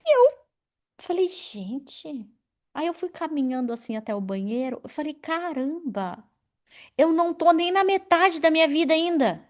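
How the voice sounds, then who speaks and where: A woman in her forties preaching a sermon in an animated, personal way, calling on members of the congregation by name. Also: sits high, unhurried. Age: 40s. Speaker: pastor.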